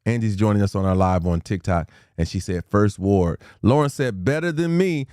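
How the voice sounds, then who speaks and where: Low-voiced man hosting a livestream. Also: darkish tone, no room sound, clean studio sound. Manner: playful, hypes the audience, drops into quick freestyle rhymes. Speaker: livestream host. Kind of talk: casual livestream talk.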